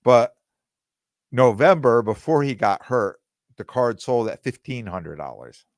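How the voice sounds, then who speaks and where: A man hosting his own podcast in casual, rambling talk, with plenty of fillers and restarts, and his voice going hoarse. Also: mid-range voice, very animated, a little slow, no echo, studio quality. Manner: quotes other people in dialogue. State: losing his voice. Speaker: podcast host.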